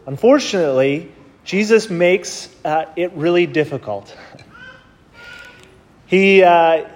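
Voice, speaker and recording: Speaking as a priest at Mass, a man with a somewhat high voice reads the gospel at a measured pace, then moves into his homily, preaching plainly and conversationally with fillers. The recording carries the long reverb of a big church, a cathedral-like echo.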